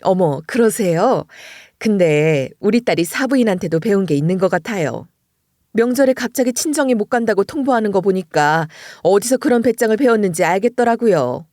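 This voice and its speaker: A woman's voice: mid-range voice, moderate pace, no room sound, studio quality, natural voice. A woman voicing a cheeky, unflappable middle-aged mother who teases with sly composure. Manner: sly, deadpan teasing.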